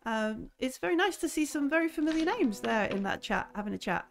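Woman, game host, chatty and rambling, a bit high, light music behind. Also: big pitch swings, fairly quick, creaky. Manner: chatty, lots of ums. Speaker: game master and stream host. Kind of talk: casual stream outro chat.

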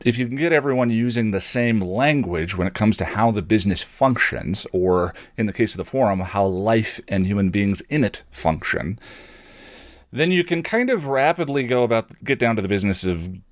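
A man telling a personal story as a podcast host, reflective and wry, halting now and then as he searches for words. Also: lowish voice, no echo, clean studio sound.

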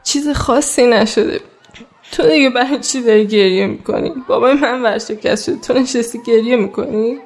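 A woman's voice: fairly high pitch, darkish tone. An actress playing a joking young woman who is upset, in a radio drama. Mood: sad. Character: Samaneh, young woman, joking, upset over family ruin.

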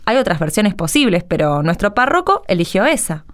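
A woman's voice: medium pitch, big pitch swings, brisk, close to an everyday voice. A woman playing a kindly, encouraging parish member in a radio drama, with a Rioplatense Argentine accent and an explanatory manner.

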